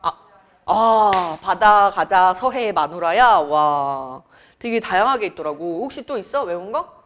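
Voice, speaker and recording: A woman's voice: fairly low pitch, expressive, a little slow, a bit bright. A young adult woman from Seoul teaching grammar in a classroom, chatty and teasing as she quizzes her students. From Seoul, South Korea. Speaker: academy Korean teacher. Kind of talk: classroom lecture.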